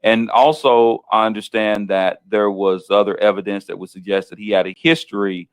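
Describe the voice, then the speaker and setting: A man's voice: lowish voice, flat delivery, moderate pace. A middle-aged man conducting an interview, asking long leading questions with frequent restarts and checks like "right?". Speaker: interviewer, host.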